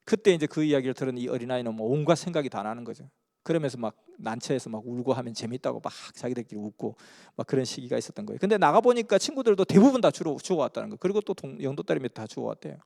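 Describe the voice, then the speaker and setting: A man's voice: medium pitch, lively intonation, rapid-fire, vocal fry, a little mellow. A man from Busan, earnestly telling a story in a sermon. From Busan, South Korea. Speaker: preacher. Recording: long hall reverb.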